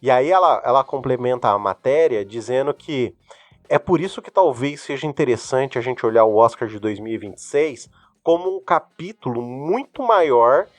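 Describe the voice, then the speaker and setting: A man's voice: mid-range voice, expressive, normal speed, no room sound. A Brazilian man co-hosting a podcast, casually commenting and reading passages from an article aloud, with some restarts. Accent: Brazilian Portuguese. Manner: hesitant restarts, then reads a quoted article aloud. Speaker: podcast co-host.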